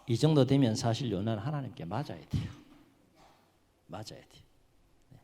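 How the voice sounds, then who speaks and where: Animated male pastor preaching in a reverberant hall. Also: mid-range voice, fast talker, creaky. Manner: animated storytelling that acts out the quotes. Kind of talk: sermon.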